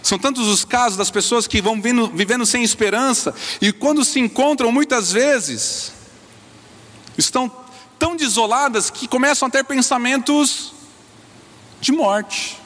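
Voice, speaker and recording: A man's voice: extremely high pitch, normal speed, fairly bright tone, big-room sound. A young adult man, a Brazilian pastor, preaching a sermon with earnest storytelling that rises to emotional emphasis. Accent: Brazilian Portuguese.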